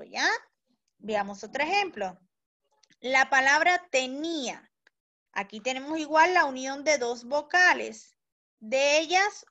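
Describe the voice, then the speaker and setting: A woman teaching a recorded school lesson for children, sounding out syllables slowly and checking understanding with short questions. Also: high-pitched, sharp tone. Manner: slow, deliberate, stretches and sounds out syllables.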